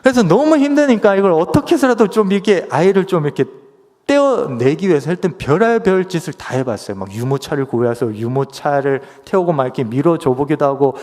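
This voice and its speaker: A man in his thirties preaches in a fairly high, animated voice, drifting into a casual storytelling manner full of fillers. His words ring out with the long reverb of a church hall. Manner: conversational storytelling with many fillers. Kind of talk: sermon with personal story.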